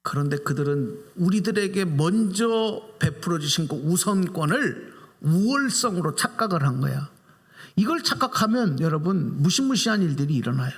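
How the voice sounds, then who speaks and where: A man's voice: on the high side, big pitch swings, moderate pace, husky. A male pastor giving a Sunday sermon in a church sanctuary, preaching with animation and putting questions to the congregation. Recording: reverberant church hall.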